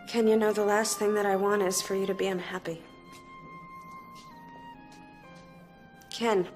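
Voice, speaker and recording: An actress playing a wealthy man's unhappy grown daughter, sharp and accusing. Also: mid-range voice, little pitch movement, brisk, soft background music, close to an everyday voice. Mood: pleading.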